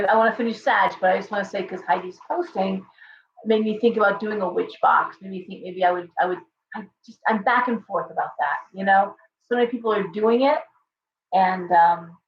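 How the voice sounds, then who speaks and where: Brief: hoarse woman, chatty tarot livestream host, off-mic in an echoey room, dull sound. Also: medium pitch, far from the mic, slight background noise. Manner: chatty, thanks viewers by name, restarts often. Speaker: tarot reader hosting a livestream. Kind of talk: casual livestream tarot reading.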